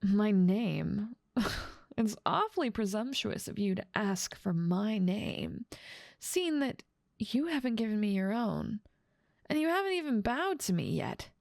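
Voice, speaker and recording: Lady playing a bossy demon lady in an asmr roleplay, mocking and playful, bit of fry in the voice, no room sound. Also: mid-range voice, sing-song, unhurried, a little mellow, no room sound, clean studio sound. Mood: imperious. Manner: dominant, amused, mocking, theatrical. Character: haughty, teasing female demon lord ruling part of hell. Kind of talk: scripted ASMR roleplay addressed to the listener.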